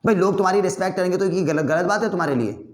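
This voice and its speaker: A stern older man hammers home why schooling matters, as a male teacher acts him out. He talks fast and heated, pitched a little high, with the room's echo around him. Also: darkish tone, close to an everyday voice. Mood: scolding, insistent. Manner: angry, rapid arguing. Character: older man lecturing on education, stern and insistent.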